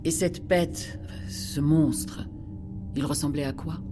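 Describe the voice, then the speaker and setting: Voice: medium pitch, steady tone, takes it slowly, natural voice. An actor playing a curious, sceptical inquirer from the far future, questioning and wry in scripted audio drama dialogue. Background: music.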